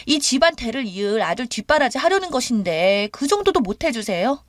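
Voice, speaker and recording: A woman's voice: sing-song, fairly quick, no room sound, clean studio sound. Woman doing a whiny, demanding young daughter-in-law. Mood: indignant. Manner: shrill, pushy, complaining.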